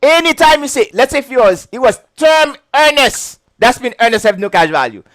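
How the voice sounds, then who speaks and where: A man's voice: very high voice, brisk, no echo, studio quality. A man with a heavy accent teaching an insurance licensing lesson, repeating key points and chuckling often. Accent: non-native English. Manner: repetitive, chuckling, animated teaching. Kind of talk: casual video lesson.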